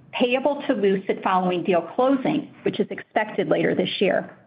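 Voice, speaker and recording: A woman reporting a company's financial results on an earnings call in a measured, formal, scripted way. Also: medium pitch, highs cut off. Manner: measured, formal reading of figures.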